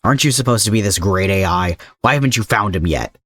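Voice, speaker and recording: A man voicing an impatient, gruff young man in an audio story, blunt in manner. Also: on the low side, lively intonation, fast, fairly bright tone, no echo, studio quality. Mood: impatient, shouting.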